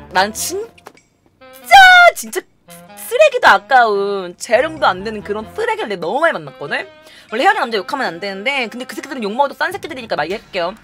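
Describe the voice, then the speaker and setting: A young woman vlogger telling a story to camera in a casual, animated way, acting out quotes and laughing often. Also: on the high side, fast talker, over loud music.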